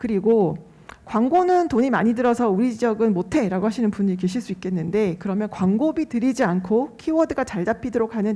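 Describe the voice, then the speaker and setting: The woman speaks at a fairly quick pace and a fairly high pitch, with lively intonation. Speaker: e-commerce team leader, keynote speaker. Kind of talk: conference keynote presentation. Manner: fast.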